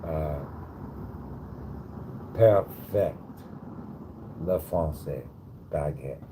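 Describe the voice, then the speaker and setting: A man with an American accent in a casual livestream, searching for words in halting, non-native French mixed with English. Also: very deep voice, noisy background. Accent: American, also when speaking halting French. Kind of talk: casual livestream chat, partly in broken French.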